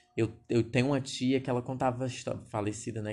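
A man with a somewhat breathy, medium-pitched voice talks at a fairly quick pace with fairly even intonation. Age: 20s. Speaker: solo podcaster. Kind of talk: casual monologue. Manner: hesitant, with fillers and repetitions.

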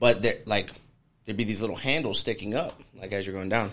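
This man's fairly low voice carries a bright, sharp tone and fairly even intonation. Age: 30s. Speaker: podcast co-host, former military. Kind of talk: casual chat.

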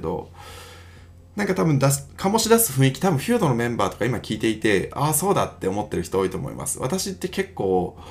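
A man's medium-pitched voice with vocal fry, very wide pitch swings and a very fast pace. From Himeji, Hyogo (Kansai), Japan. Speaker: company executive hosting own podcast. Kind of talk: solo podcast talk.

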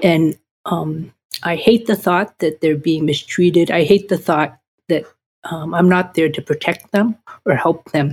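In a Boston accent, a woman speaks at a fairly slow pace, her voice somewhat breathy and her intonation fairly even. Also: fairly low pitch for a woman. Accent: Boston American. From Boston, US. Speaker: pastor. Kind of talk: casual panel conversation.

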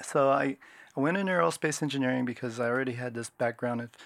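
Recorded very cleanly against a silent background, a man uses an ordinary speaking voice at a fairly quick pace, with medium pitch and ordinary pitch variation. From Washington State, US. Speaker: security and intelligence consultant, company founder. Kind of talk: interview.

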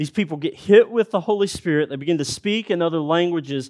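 Using lively intonation, a man with a Southern US accent talks at a fairly high pitch. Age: 30s. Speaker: pastor. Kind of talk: sermon. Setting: church.

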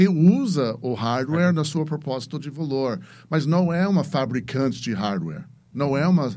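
A man with an English accent speaks at a fairly high pitch and moderate pace in a dark, mellow tone. Audible room echo surrounds his voice. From US Midwest, Chicago. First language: English (speaking Portuguese). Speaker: venture capitalist. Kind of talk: casual interview chat. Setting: studio. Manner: halting, repeats words.

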